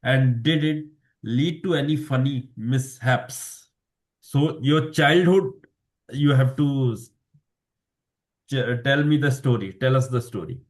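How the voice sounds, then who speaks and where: Man, club session host, halting, keeps rephrasing, searching for words, video call. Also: mid-range voice. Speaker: table topics master. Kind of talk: hosting a club speaking session.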